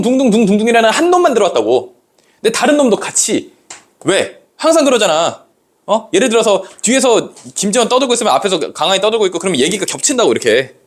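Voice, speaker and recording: A man's voice: high-pitched, breathy edge. A man teaching a classroom lecture, acting out rhythms with sound effects and checking often that students follow. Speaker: Korean language tutor. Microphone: recorded lecture.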